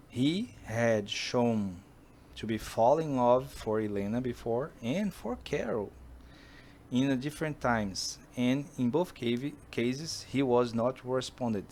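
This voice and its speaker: A man from Brazil with a Brazilian Portuguese accent, a Portuguese speaker talking in English to camera, pitching a film based on his own books and pausing often to search for words. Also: darkish tone, a little hiss or hum. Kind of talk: casual monologue to camera.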